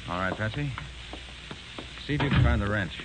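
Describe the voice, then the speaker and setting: Confident, commanding male detective played by an actor, lively mid-range voice, 1940s radio crime drama, hissy recording. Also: lowish voice, moderate pace, close to an everyday voice. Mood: brisk, assured.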